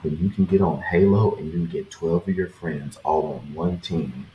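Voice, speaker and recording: Very low-voiced young guy, roomy far-off mic with light hiss, easygoing gaming talk. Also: steady tone, moderate pace, dull audio. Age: 20s. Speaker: podcast co-host. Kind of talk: casual gaming chat. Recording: distant echoey mic with faint noise.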